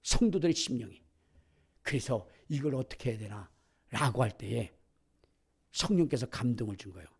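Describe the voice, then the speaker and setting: A middle-aged man preaching a sermon as pastor, telling stories with acted-out voices and rising to loud exclamations. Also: mid-range voice, normal speed, creaky, pauses often, husky. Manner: animated storytelling, acting out voices, builds to shouts.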